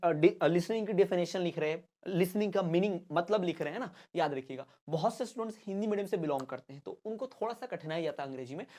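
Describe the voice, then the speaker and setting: Male teacher coaching students for exams. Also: sits high. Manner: reads English lines slowly, then explains them; keeps saying "bhai" and "remember this". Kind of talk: exam-prep lesson.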